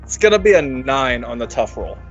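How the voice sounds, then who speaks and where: A man's voice: mid-range voice, very animated, fairly quick, soft background music. A man speaking casually as a player in a tabletop game, recorded on a slightly dull microphone.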